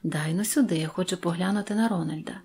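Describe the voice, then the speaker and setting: A woman voicing a calm, matter-of-fact older grandmother in an audio fairy tale, with faint music underneath. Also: fairly low pitch, fast talker, lightly acted.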